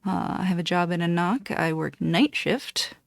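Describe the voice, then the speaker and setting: A woman in her late thirties, originally from Costa Rica with Spanish as her first language, chatting casually and rambling as she introduces her channel from a dark room at home. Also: fairly low pitch, normal speed, creaky, no echo, studio quality. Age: 30s. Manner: meandering, self-correcting, chatty. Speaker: cross-stitch vlogger.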